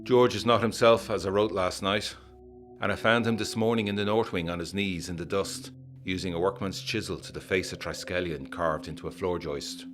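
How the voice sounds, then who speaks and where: Man, very low voice, formal letter-style narration, faint music behind. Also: fairly even intonation. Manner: measured, formal period storytelling.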